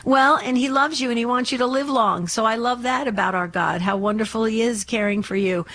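A woman's voice: on the high side, steady tone, a crowd in the background. A woman hosting a call-in radio show, affirming and encouraging toward her callers, speaking into a studio microphone. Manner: affirming, encouraging, reads phone numbers slowly.

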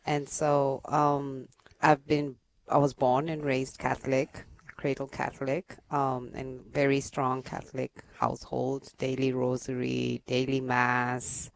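A woman's voice: very deep voice, monotone, takes it slowly, vocal fry, dry recording. A middle-aged woman from Kenya, a radio guest telling her story in an earnest, fluent way. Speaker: guest parishioner. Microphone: headset.

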